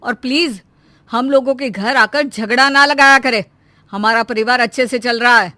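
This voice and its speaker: A polite young husband from an animated family story, voiced by a woman. He talks firmly and reasons things out. His voice is bright and recorded dry. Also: fairly high pitch, normal speed, no room sound. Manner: firm, reasoning.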